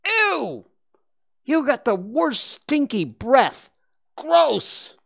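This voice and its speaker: A timid, polite young boy in a storybook talks in a high, lively voice, as a man acts him out, tripping over his words when he's afraid. The sound is dry and close-miked. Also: extremely slow, creaky, no echo, full character voice. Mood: scared. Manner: stammering when scared.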